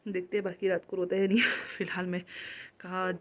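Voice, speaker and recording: A young woman from Kinnaur in India, vlogging casually on a phone at home during heavy snowfall. She talks fast and nonstop and is a little out of breath from walking around. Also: lowish voice, level tone. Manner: fast, nonstop chatty talk, slightly out of breath. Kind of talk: casual vlog talk to camera. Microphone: handheld phone.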